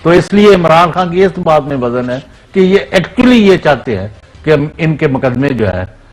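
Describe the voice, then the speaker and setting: Man on a tv debate, bit high voice, argues his point, throws in english words. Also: big pitch swings, unhurried, rough recording. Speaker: panel guest.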